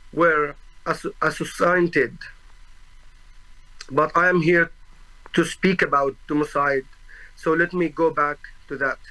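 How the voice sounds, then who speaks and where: A young man from Gaza with an Arabic accent testifies before a tribunal in a slightly high, bright, forward voice. He speaks very slowly and solemnly, pausing to search for words and restarting his phrases. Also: low-quality recording. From Gaza, Palestine. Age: 20s. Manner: halting, searching for words, with frequent restarts and fillers; solemn and earnest. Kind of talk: formal personal testimony.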